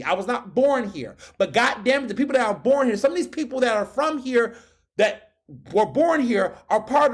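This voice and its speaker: A young man from Houston hosting his podcast, ranting in a fiery, sarcastic monologue full of rhetorical questions. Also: sits high. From Houston, Texas. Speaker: podcast host. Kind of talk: opinion monologue.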